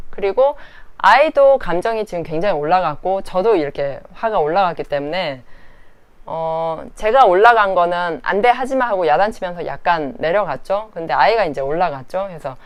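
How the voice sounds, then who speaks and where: A woman's voice: on the low side, moderate pace. A woman in her thirties, a parenting counselor, giving casual advice and acting out little scenes between mother and child. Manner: lively, acts out child and mother voices.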